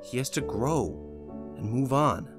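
A man's voice: medium pitch, expressive, a little slow, over music, voice pushed down. A man playing a weary, earnestly melancholy writer in a cartoon sketch. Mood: somber, resigned.

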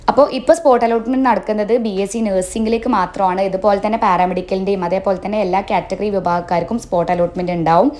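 A woman giving an informational update in a voice-over, brisk and instructive, with frequent filler sounds. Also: medium pitch, a little mellow. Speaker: education vlogger. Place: voice-over, not seen.

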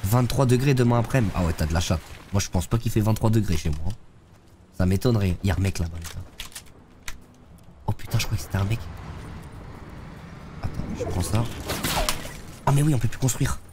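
A young adult man with a fairly low, lively voice talks fairly quickly, leaving long pauses, over some background noise. He's streaming a game from a gaming chair in his streaming room, chatting loosely with viewers in slang while congested from a head cold.

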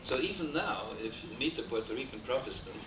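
Speaking briskly and animatedly in a mid-range voice, an older Austrian man, a native German speaker with an Austrian accent, delivers an academic lecture. He wanders, hesitates frequently and jokes dryly. A stand-mounted desk mic in a wood-paneled hall yields roomy, distant sound from a noisy VHS copy.

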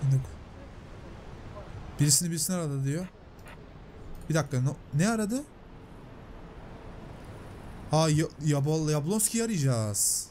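A man doing excitable let's-play commentary, reading out and paraphrasing game dialogue in a chatty way. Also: a little high, normal speed, long pauses, slight background noise. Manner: chatty, excitable, translating and paraphrasing on-screen lines. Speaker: gameplay commentator.

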